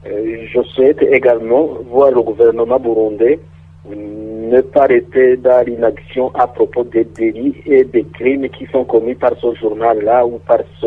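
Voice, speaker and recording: A man from southern Rwanda, a priest taking part in a radio debate, speaking in a measured and firm way with a husky voice. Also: mid-range voice. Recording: tinny phone line.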